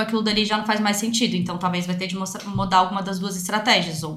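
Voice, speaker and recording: A woman with a medium pitch speaks amid noticeable background noise and audible room echo. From Brazil, Brasília. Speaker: brand strategist. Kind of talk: casual interview.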